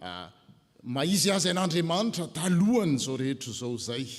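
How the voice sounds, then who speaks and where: In a Malagasy accent, a man talks at a very slow pace with lively intonation. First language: Malagasy (speaking French). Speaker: pastor. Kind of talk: sermon. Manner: halting.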